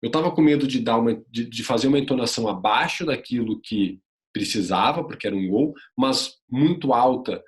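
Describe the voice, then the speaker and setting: A man's voice: medium pitch, a little fast. A sports reporter, a man with a Brazilian Portuguese accent, gives an earnest online lesson, explaining vocal technique through his own career anecdotes and speaking straight to the viewer. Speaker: sports reporter teaching journalism. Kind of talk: online video lesson, first-person anecdotes.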